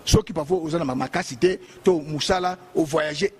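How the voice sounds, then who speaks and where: A man's voice: on the high side, brisk, a little mellow, slight background noise. A man with a Congolese accent, a bishop giving a heated, emphatic, repetitive political monologue.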